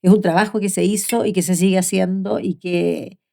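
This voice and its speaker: An older woman, telling heartfelt stories as an interview guest, her voice often dropping soft. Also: mid-range voice, fairly even intonation, normal speed, vocal fry. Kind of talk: conversational interview.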